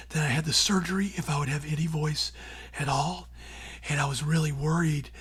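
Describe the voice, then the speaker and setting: A middle-aged man who hosts a radio show, answering interview questions in a breathy, raspy, near-whispered voice, earnest and plainspoken with casual fillers. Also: fairly high pitch, fairly bright tone. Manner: earnest and plainspoken, with many "you know" and "like" fillers. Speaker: radio show host and former newspaper columnist.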